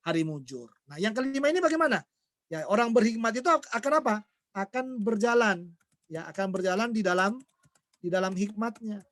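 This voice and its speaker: A man's voice: high-pitched, a bit bright, dry recording, studio quality. A man preaching a sermon who keeps asking the congregation questions and then answers them himself. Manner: acts out everyday quarrels in quoted voices.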